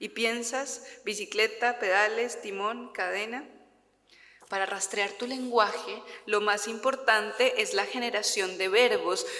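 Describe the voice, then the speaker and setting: The speaker goes at a very slow pace with fairly even intonation, in a Colombian accent. Audible room echo surrounds the voice. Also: woman, fairly high pitch for a woman. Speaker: poet. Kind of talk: poetry reading. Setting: public reading with audience.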